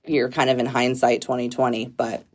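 A woman from Southern California with a low voice, speaking as a guest in a relaxed interview. She talks in an open, reflective way and laughs easily. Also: normal speed. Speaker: nonprofit executive director, guest. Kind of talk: casual conversational interview.

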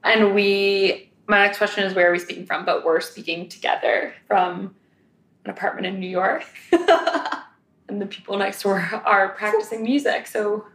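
A woman's voice: medium pitch, moderate pace, fairly bright tone, echoey room. A woman interviewer asking curious, probing questions, recorded in a New York apartment. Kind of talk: casual interview.

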